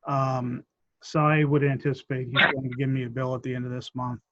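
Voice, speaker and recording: A man giving project updates in a committee meeting, losing his voice and often clearing his throat, speaking haltingly with many ums and restarts. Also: medium pitch, level tone, highs cut off, background noise. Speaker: land bank staff member giving project updates. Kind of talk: meeting discussion.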